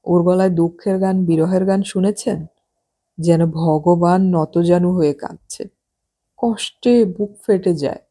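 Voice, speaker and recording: Lady doing a worked up husband who keeps rambling on, low mellow voice, audiobook. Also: fairly even intonation, measured pace, breathy edge. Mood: emphatic. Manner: insistent, rambling. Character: excitable middle-aged Bengali husband, unsteady mind.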